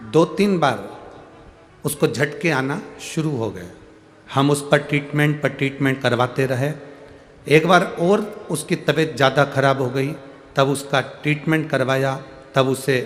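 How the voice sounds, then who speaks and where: A man preaching as a Hindu scripture storyteller to a gathering, emphatic, repeating phrases and drawing out words. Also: medium pitch. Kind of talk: devotional sermon to a gathering, reading out devotees' letters. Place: large public religious gathering. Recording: echoey large-venue PA with music.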